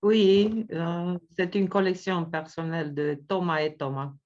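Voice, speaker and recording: A woman answers for a theatre group in a fairly low voice. She talks slowly, and the recording is a bit dull. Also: steady tone, darkish tone, slight background noise.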